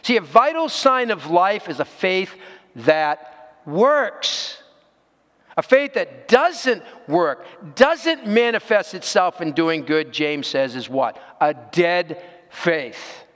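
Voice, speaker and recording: A man's voice: high voice, lively intonation, slow pace, fairly bright tone, big-room sound. A man preaching a sermon as pastor, earnest and direct, putting rhetorical questions to his congregation.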